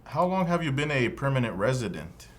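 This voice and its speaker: This scripted practice dialogue has a man voicing a male immigration officer who conducts an interview with formal, neutral questions. His medium-pitched voice is sing-song and fairly quick.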